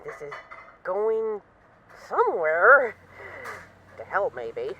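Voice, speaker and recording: A woman's voice: medium pitch, sing-song, slow pace, dull audio, a little hiss or hum. A woman playing a self-assured, bored mafia boss in an intimate voice-message roleplay, wry, boastful and affectionately teasing her partner. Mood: teasing, rueful. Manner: wry, boastful, teasing, mock-indignant, swearing casually.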